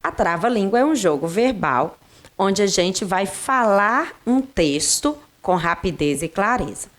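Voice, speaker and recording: A woman teacher from Brazil giving a recorded lesson to children, talking to her pupils directly in a lively way. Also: mid-range voice, unhurried.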